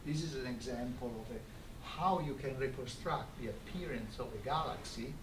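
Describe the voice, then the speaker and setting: A man giving an academic lecture as an astrophysicist, explaining in a halting way with repeated words. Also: mid-range voice. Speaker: astrophysicist giving a colloquium talk. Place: lecture room, recorded from a distance. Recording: echoey, distant microphone, clearly noisy room.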